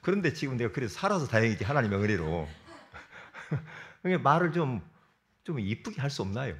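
A middle-aged man preaching a sermon to his congregation. He swings between loud emphatic bursts and low asides. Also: sing-song, fairly quick. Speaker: pastor.

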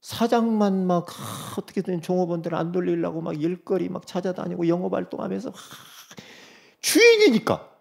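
A man preaching a sermon as pastor, swinging from loud urging to quiet asides and speaking directly to congregation members. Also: high voice, sing-song, a little fast, gravelly.

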